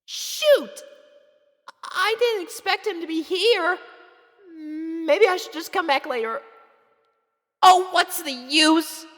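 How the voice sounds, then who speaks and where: Woman voicing a high-pitched, hesitant young girl pony. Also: a bit bright, heavily acted. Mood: anxious. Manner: hesitant, halting, full of ums. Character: shy, nervous young girl pony, lovestruck little sister. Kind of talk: fan fiction audio drama acting.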